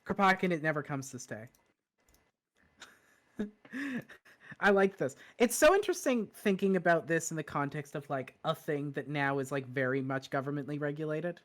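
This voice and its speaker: A woman's voice: sits low, expressive, normal speed. A woman co-hosting a stream, thinking aloud in casual chat about a book she has been reading. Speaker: streamer and co-host.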